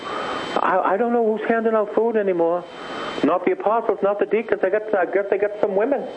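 A priest preaching to radio listeners, retelling scripture stories with mimicked voices and then leading a long repeated prayer. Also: male voice, high voice, steady tone, brisk, background noise. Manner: storytelling preaching, mimics voices, prays in repeated invocations and tongues. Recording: tinny lo-fi radio broadcast.

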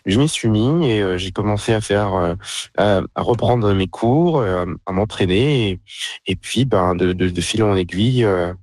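Young french guy, lowish voice, lots of euh and restarts, dry close sound. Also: moderate pace, darkish tone, no echo. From France. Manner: hesitant, many fillers and restarts. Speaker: interview guest, pastry caterer. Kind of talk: casual radio interview.

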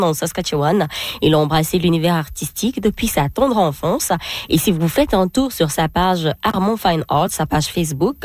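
A woman's voice: fairly low pitch, a little mellow, dry recording. A woman co-hosting a radio culture segment, presenting reports in a chatty, playful way with many fillers. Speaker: radio co-host. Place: radio studio in Winnipeg.

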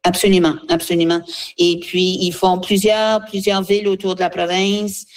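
A woman, a guest speaking earnestly for a seniors' association, pausing often with fillers. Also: lowish voice, level tone. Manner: earnest, halting, with many fillers. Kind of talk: radio interview, advocacy.

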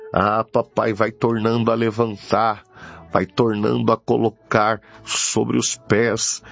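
A Brazilian man prays fervently in a very slow, deliberate delivery. His voice is markedly gravelly, and he pleads in repeated phrases and devotional interjections. Faint music plays behind the preacher. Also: on the low side. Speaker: preacher leading prayer. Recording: dull lo-fi audio with music behind.

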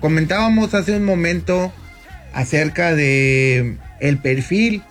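A fifty-year-old man talks through his points patiently in a radio booth, a lawyer laying out his ideas. His voice sits a little high for a man. A faint music bed runs quietly underneath. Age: 50s. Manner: measured, explanatory, often addresses the host by name. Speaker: lawyer guest on radio show. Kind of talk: radio talk segment.

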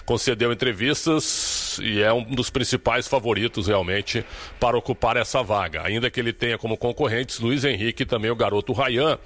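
A man delivering a sports report in a steady, informative way. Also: mid-range voice, moderate pace. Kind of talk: read report.

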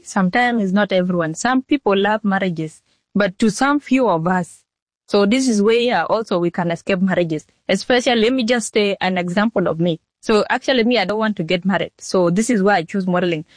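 A nineteen-year-old woman from Sudan, answering interview questions in a halting way with restarts. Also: medium pitch, no echo. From South Sudan. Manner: halting, repeats herself and restarts sentences. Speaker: model being interviewed.

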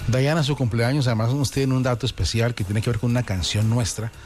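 Male radio host, jokey and effusive, average pitch, music bed playing behind. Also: fairly even intonation, brisk. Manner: warm, effusive well-wishing, joking. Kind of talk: live radio chat.

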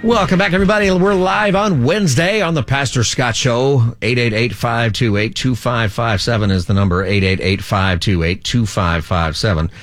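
A man who is a pastor hosts a live call-in radio show. He gives the number, greets callers, and answers them calmly with short affirmations. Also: medium pitch, normal speed, few pauses, no echo, studio quality, faint music behind. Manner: calm, brief affirmations to the caller.

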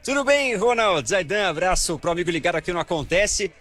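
A young man with a Brazilian accent, reporting live from outside a stadium in a chatty, lively way and often calling the anchor by name. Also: high voice, fairly quick, faint music behind. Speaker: field reporter. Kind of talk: live news report from the field.

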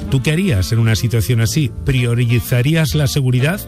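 Radio host over guitar music. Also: male voice, mid-range voice, brisk. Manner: conversational, posing questions to listeners. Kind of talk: late-night radio hosting.

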